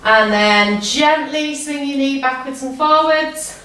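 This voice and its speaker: High-voiced woman drama teacher, very echoey room. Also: takes it slowly, pushed and bright. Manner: encouraging drama-teacher delivery with simple, repeated instructions. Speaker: drama teacher leading a warm-up. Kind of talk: instructional, guiding a physical warm-up step by step. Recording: echoey room, distant microphone.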